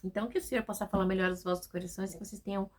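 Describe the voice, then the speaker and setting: A woman with a Brazilian Portuguese accent races through a casual devotional Bible study in a steady, mid-range voice. She reads scripture aloud and keeps checking in with her listeners as if chatting.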